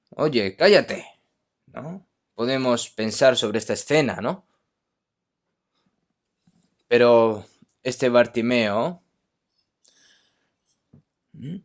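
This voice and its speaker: Emphatic male preacher. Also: medium pitch. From Korea. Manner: emphatic, with frequent "¿no?" and "¿mm?" checks. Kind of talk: sermon.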